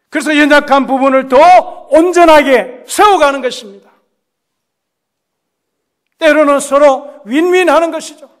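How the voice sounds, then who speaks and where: A man preaching a sermon as a pastor, emphatic and repeating key phrases, swinging between loud exclamations and hushed asides. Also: very high-pitched. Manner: repeats key phrases and puts questions to the congregation. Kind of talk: Korean Protestant sermon. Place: church service.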